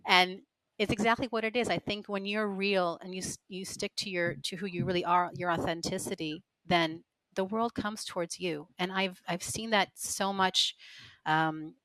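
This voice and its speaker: A woman's voice: on the low side, steady tone, normal speed, a bit bright, no echo, poor audio. A woman guest in a conversational interview, telling stories in an earnest, reflective way. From lives in Israel. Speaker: interview guest, finance professional.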